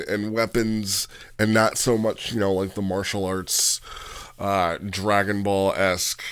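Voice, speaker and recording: A man giving a casual, off-the-cuff review as host, rambling and halting as he talks, often checking in with the listener. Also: sits low, a bit bright, smooth. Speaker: host reviewing roleplay logs.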